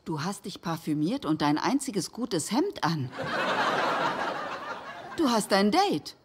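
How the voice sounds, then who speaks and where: A woman's voice: medium pitch, big pitch swings, takes it slowly. An actress in a dubbed sitcom playing a teasing, self-assured middle-aged girlfriend. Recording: noisy TV audio with studio laughter.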